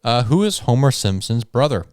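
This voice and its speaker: A man's voice: medium pitch, big pitch swings, normal speed, a little mellow, clear, resonant tone, no room sound, clean studio sound. A man co-hosting a casual podcast, running a joking trivia game for his friends. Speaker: podcast co-host and quiz master.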